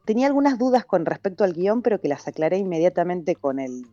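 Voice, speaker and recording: A woman's voice: on the low side, expressive, fast talker, dark tone, no room sound, lo-fi sound. An Argentine actress talking casually in an interview, laughing easily and correcting herself as she goes. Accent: Argentine Spanish. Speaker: actress guest.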